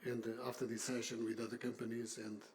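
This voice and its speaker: An older man, a chief executive, giving a semi-formal unscripted conference speech with halting, deliberate phrasing. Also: medium pitch, flat delivery, a little hiss or hum. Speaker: industry association CEO, panel speaker.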